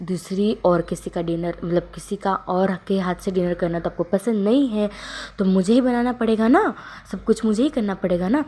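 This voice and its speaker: Woman doing a fond, nagging young spouse, mellow voice, lightly played. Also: medium pitch, close to an everyday voice. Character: busy young male spouse, scolding yet fond.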